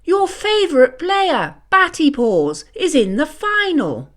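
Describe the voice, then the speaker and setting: A woman's voice: high-pitched, huge pitch swings, takes it slowly, a bit bright, voice pushed up, full character voice. A woman voicing a sneaky little male bloodhound in a children's story, breezy, friendly and matter-of-fact. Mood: breezy, inviting.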